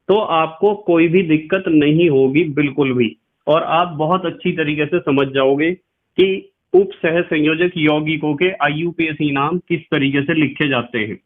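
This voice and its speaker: A male chemistry teacher with a somewhat high voice gives a patient classroom lecture. He calls his students "beta", repeats key terms and spells them out letter by letter. The recording is thin and tinny, like a phone line.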